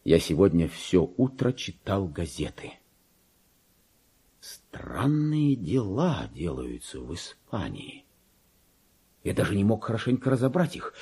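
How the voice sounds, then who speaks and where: An actor playing a deluded, pompous petty government clerk slipping into madness, in a theatrical radio monologue that moves between hushed musing and shrill indignation. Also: male voice, heavily acted. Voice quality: husky, creaky. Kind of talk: theatrical radio monologue, diary read aloud.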